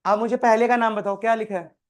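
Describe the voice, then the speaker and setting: A man's voice: high voice, steady tone, fast talker. A man teaching a chemistry class, quizzing students by name and repeating key terms. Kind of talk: live classroom tutoring.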